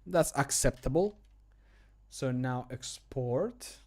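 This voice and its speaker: Speaking slowly and expressively, a man in his thirties with a medium-pitched, darkish voice thinks aloud during a casual livestream as he works. He is a native Spanish speaker, a hobby modder and streamer recording voice lines, and he is self-deprecating, speaking from a small room in his home.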